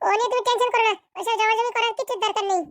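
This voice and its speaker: Lady doing bossy cartoon politician woman, rural bengali accent, brusque, quick, squeaky pitched-up voice. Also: steady tone, no echo, studio quality. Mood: dismissive. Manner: brusque, haughty. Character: arrogant, dismissive female politician in a comedy cartoon.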